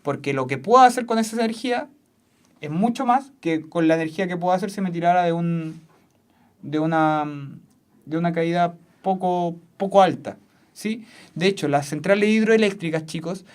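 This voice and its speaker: A substitute physics teacher works through a whiteboard lesson at normal speed, voice pitched in the middle range. The teacher laughs readily, keeps checking with the class, and says each main point several times over.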